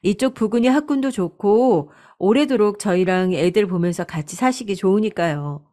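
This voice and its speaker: A woman's voice: medium pitch, normal speed, warm tone, lightly acted. A woman voicing a scheming eldest daughter-in-law who talks sweetly but insistently, pressing her mother-in-law in a storybook drama. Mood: coaxing. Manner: persuasive, pushy, sweetly insistent.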